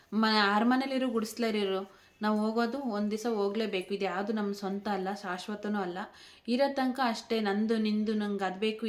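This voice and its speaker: A woman speaking in an emotional tribute vlog, tearful and pleading, repeating herself. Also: mid-range voice. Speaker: vlogger.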